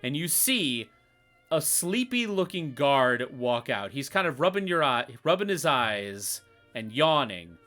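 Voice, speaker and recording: A man's voice: medium pitch, sing-song, sharp tone, faint music behind. A man narrating as game master of a tabletop game, laid-back and full of "um"s. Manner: laid-back, with frequent "um" and quick chuckles.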